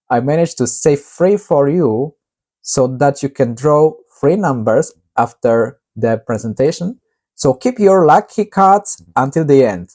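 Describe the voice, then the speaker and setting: Mellow man reading his novel. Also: mid-range voice. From Poland. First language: Polish. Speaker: author.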